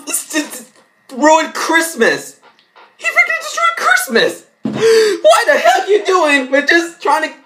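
A man's voice: very high-pitched, bright, forceful tone. A young adult man rambling casually and reading aloud in an amateur way, often stumbling over his words, recorded at home in a bedroom. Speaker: vlogger reacting to and reading fan fiction.

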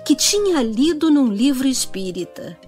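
Brazilian lady reading a kids story, slow, highish voice, music behind. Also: sing-song, a little mellow. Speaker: narrator. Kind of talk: children's storybook narration.

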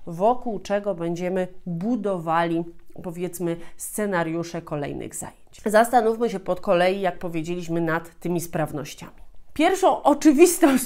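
A woman in her thirties hosting a language-teaching vlog, explaining things in an expressive, emphatic way. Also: mid-range voice. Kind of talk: explanatory talk to camera, teacher-like. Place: small furnished room at home, indoors.

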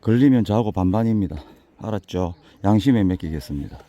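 In a casual walking vlog touring local alleys, an older man with a strong Busan Gyeongsang dialect jokes and chats in a relaxed, folksy manner as he climbs a mountain path outside. His fairly low voice is hoarse and slightly raspy with a mellow, dark tone, expressive and quick, and he's out of breath from the ascent.

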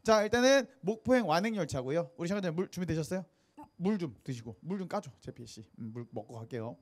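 A young man emcees a street stage at night, talking quickly in a high, lively voice. He speaks into a handheld mic outdoors and keeps pumping up the audience. He has a cold. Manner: upbeat, hypes the audience. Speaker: street busking show host. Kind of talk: lively emcee patter to a crowd.

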